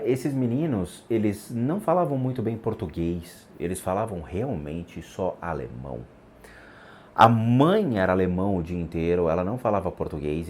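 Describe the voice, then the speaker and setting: A man in his forties telling a personal story in an unhurried, reflective way, with pauses and restarts. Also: deep voice, darkish tone, a little hiss or hum. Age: 40s. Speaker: vlogger. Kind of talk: storytelling vlog about a haunted childhood house.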